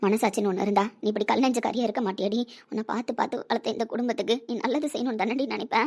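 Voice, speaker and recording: A woman playing an anguished middle-aged mother in a family web drama, swinging between pleading and scolding. Her voice sits a little high and the words pour out fast. The delivery is emotional and pressing. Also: steady tone, darkish tone, breathy edge. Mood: desperate. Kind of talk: Tamil web-series acting.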